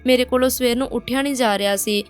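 A woman's voice: on the high side, steady tone, quick pace, faint music behind. A woman narrating a painful first-person story in a plain, direct way.

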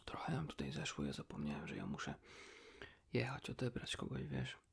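A man speaking in a hushed, breathy whisper, chatting casually and confidingly as if to a friend in an ASMR style. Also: rumbling low, big pitch swings, fairly quick. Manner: colloquial, rambling, ends phrases with a tag question. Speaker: ASMR creator talking to the listener as a friend.

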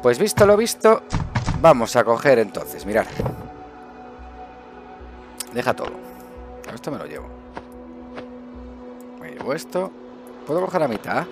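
Over music, a gaming video host talks in a mid-range, sing-song voice, unhurried and full of long pauses. He's a middle-aged man from Spain sitting at an indoor desk on webcam, riffing casually on the game, thinking out loud and quietly asking himself questions.

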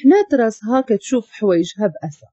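A woman's voice: fairly high pitch, expressive, fast talker, warm tone, breathy edge, no room sound, dull audio. A woman with a Moroccan accent narrating a story.

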